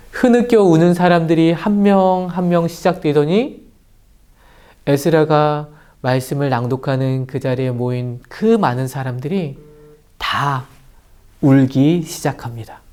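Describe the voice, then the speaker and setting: Animated man preaching to children. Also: on the high side. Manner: animated, acting out quoted voices. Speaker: children's pastor. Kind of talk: children's sermon storytelling. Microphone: lavalier mic.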